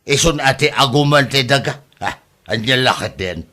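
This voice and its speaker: A man's voice: mid-range voice, lively intonation, normal speed, pushed and bright. A man with an Ilocano accent playing a grown son who lectures and scolds his family in a comedy drama. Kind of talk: scripted drama acting.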